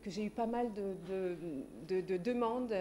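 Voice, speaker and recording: A woman's voice: mid-range voice, a little slow, dark tone. A woman from France, a singer being interviewed on a TV talk show, talking casually with frequent restarts. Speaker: guest singer.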